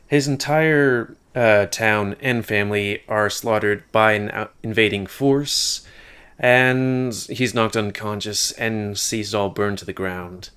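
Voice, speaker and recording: A man's voice: lowish voice, steady tone, slow, fairly bright tone, clean tone. A man giving casual, rambling and crude commentary while playing a video game. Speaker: gaming YouTuber. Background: game music.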